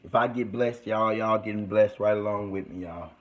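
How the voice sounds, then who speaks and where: On a livestream, a young American man chats casually with his viewers, calling them y'all and using plenty of slang. His accent blends Texas and California. His voice is on the low side, steady in tone, and moves at a normal speed.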